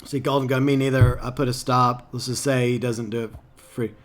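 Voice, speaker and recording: A man's voice: mid-range voice, little pitch movement, fairly quick. A man from Texas, casually chatting to viewers on a live game stream and reading their comments aloud.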